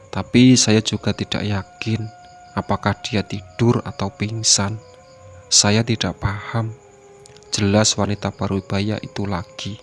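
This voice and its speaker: A man narrating a horror story as a scripted reading, with a steady, even delivery. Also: lowish voice.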